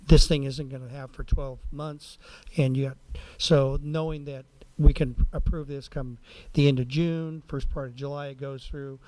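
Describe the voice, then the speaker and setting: Mellow man talking casually, dry sound. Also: medium pitch, fairly even intonation, normal speed, few pauses, no echo, poor audio. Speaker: city council member. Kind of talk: informal remarks in a public meeting.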